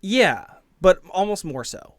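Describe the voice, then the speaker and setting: A man with a slightly high voice runs a tabletop game. He improvises his narration casually and hesitantly, in a very dry, close recording. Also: big pitch swings, measured pace, a bit bright, no room sound. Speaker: game master.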